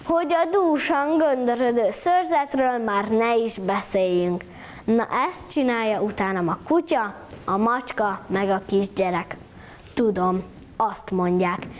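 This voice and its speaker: A woman's voice: on the high side, a little hiss or hum, close to an everyday voice. A woman reciting a monologue as a proud, boastful house goat, mock-indignant.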